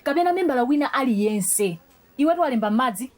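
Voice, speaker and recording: A woman's voice: sits high, lively intonation, quick pace. An actress playing a scornful young pious female student in a radio drama, with a Malawian accent and a blunt, scolding, mocking way of talking. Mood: stern, dismissive.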